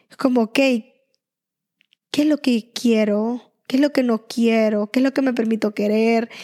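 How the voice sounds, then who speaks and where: A woman's dark, mellow voice at a fairly slow pace, with long, frequent pauses, fairly even intonation, very even loudness, and a dry, close sound with no echo. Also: fairly high pitch for a woman. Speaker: life coach and podcast host. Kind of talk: solo podcast monologue.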